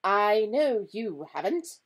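A woman's voice: mid-range voice, big pitch swings, slow, pitched above the performer's own voice. A woman voicing a severe, irritable witch professor in a storybook, with a clipped, exasperated, emphatic delivery. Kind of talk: storybook character reading.

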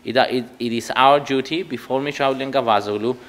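Here a thirtysomething party speaker from Cyprus, Greek-native with a Cypriot accent, delivers a prepared speech at a commemoration. His voice sits in the mid range, and he stresses key words in an earnest, measured manner.

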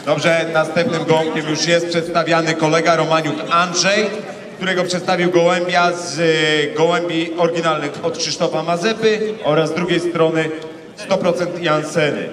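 A male auctioneer calls out climbing bids and repeats them to prompt the bidders. The voice is somewhat high, heard at a distance through a PA in a sports hall with long reverb. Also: normal speed. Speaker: auctioneer at a racing pigeon auction. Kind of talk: live auctioneer calling rising bids. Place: large indoor sports hall. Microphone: handheld microphone over PA, picked up from afar. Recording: echoey sports hall PA, distant, crowd noise.

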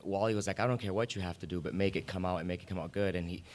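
A young man with a very low voice talks into a table mic on a panel. He tells behind-the-scenes stories like an excited fan, laughing as he goes. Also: very fast, a little hiss or hum. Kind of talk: casual panel chat. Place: indoor meeting room at a panel table. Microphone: table mic on stand.

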